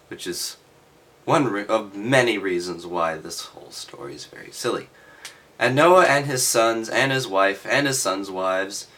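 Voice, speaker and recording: A man reading aloud and adding halting, offhand, skeptical commentary with sardonic asides. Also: on the low side, pushed and bright. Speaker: reader and commentator.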